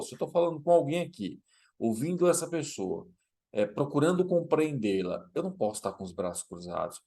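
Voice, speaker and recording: A man teaching to camera in a lively talk. He keeps checking in with his listeners and pushes his points home. His voice sits at an ordinary middle pitch. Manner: animated, speaks to viewers directly with tag questions. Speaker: coach.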